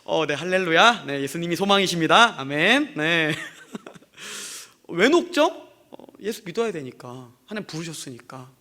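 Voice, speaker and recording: A man's voice: a little high, expressive, brisk, hardly any pauses, bright, forceful tone. A man preaching a sermon as a pastor to his congregation in church, in a conversational way with rhetorical questions. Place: church sanctuary.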